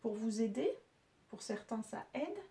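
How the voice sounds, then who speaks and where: Woman, teacher, spelling lesson, patient, mellow dark tone, slow. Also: a little high, very animated. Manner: slow, patient, clearly articulated explanations.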